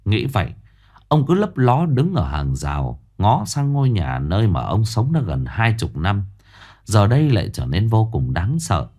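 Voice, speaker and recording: A man narrating a ghost story in an expressive, dramatic way. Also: lowish voice, moderate pace. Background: faint music.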